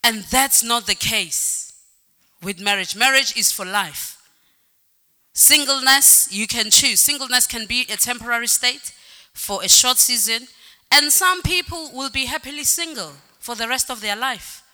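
In a church hall with echo and faint music behind her, a woman delivers a sermon in a fairly high, unhurried, sharp-toned voice. She drives her points home by repeating words and calling out "Amen," sometimes singing phrases and shifting her pace.

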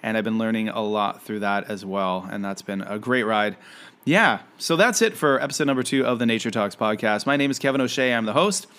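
Man from Canada, podcast host, lower voice, friendly rambling chat, filler words. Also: brisk, a bit bright, clear, resonant tone. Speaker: environmental educator. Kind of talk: casual solo podcast chat.

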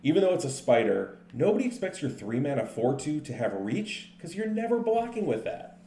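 This podcast co-host speaks in a gravelly, low register while casually discussing card games. His manner is easygoing and explanatory, and he reels off card names in rapid lists, recorded in an echoey room with a little faint noise.

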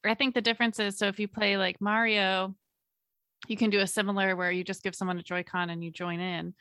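A woman's voice: medium pitch, level tone, a little fast, bright, forceful tone, no room sound, studio quality. A woman in her late twenties co-hosting a podcast, chatting casually, laughing often and trailing off mid-sentence. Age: late 20s. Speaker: podcast co-host.

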